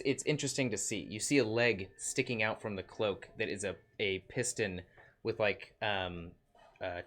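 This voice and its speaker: A man acting as game master narrates a tabletop role-playing game in a fairly bright voice that sits on the low side. His descriptions are hesitant and packed with ums and likes.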